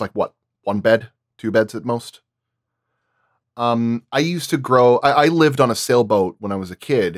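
Low-voiced man explaining things in detail. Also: dry recording, studio quality. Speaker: sound designer, panel guest. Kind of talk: casual roundtable explanation.

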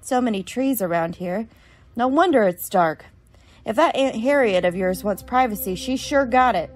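Actress as a sarcastic, higher-voiced college girl. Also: expressive, normal speed, faint music behind, lightly acted. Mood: irritated, tired. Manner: wry, blunt, grumbling. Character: weary, sarcastic, impatient young female college student. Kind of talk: radio play acting.

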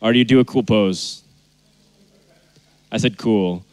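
A man's voice: lowish voice, unhurried, darkish tone, no echo. A man hosting a live pre-match interview with players, upbeat and teasing. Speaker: esports interviewer host.

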